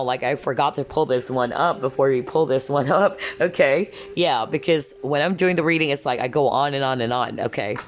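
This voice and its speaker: Woman, low voice, hoarse and fading, tarot reader, rambling casual talk. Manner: rambling, repeats "that's what I'm hearing". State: losing her voice, hoarse. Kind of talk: casual pick-a-card tarot reading.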